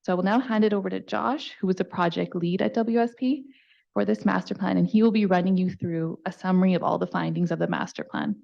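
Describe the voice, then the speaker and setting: A woman's voice: lowish voice, steady tone, quick pace, vocal fry, a little mellow. A woman giving a formal, prepared presentation to a council as a member of city staff. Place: council meeting room. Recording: dull, band-limited meeting room microphone.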